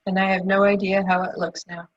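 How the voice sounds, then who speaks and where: Soft, breathy woman on muffled audio. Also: medium pitch, level tone, brisk. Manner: soft, hesitant, with fillers. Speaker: client in a tapping session. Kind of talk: repeating affirmations, then describing feelings.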